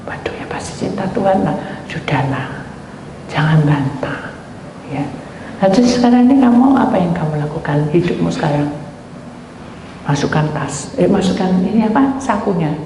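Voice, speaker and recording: A woman pastor preaches in a fairly low voice, acting out her stories as she goes. She swings from loud, high exclamations to quiet asides. The sound comes from an echoing hall with a long reverb tail. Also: expressive, moderate pace, long pauses, slight background noise. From Indonesia. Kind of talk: sermon with acted-out anecdotes.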